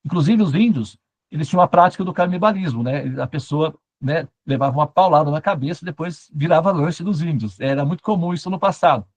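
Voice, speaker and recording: A man's voice: on the high side, fast talker. A man giving a satsang talk as a spiritual teacher, telling stories with humor and asking himself questions.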